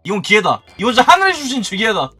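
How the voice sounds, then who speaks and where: A man doing excited commentary as a gaming YouTuber, shouting and groaning as he opens eggs, with mock-formal asides. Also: sits high, rapid-fire, breathy edge, soft background music. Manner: animated, shouts and groans while opening eggs.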